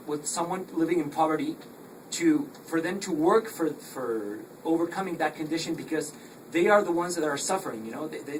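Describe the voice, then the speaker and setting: Give me an earnest, halting man asking a question from off-mic, with faint room noise. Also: a little high. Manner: halting, rephrases often, earnest. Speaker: audience questioner. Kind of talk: spontaneous question at a public talk. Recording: distant mic, noisy room.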